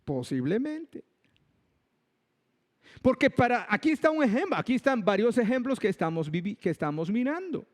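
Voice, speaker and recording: A male preacher giving a sermon, emphatic and slow, repeating his phrases for weight. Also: extremely high pitch, big-room sound. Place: church hall.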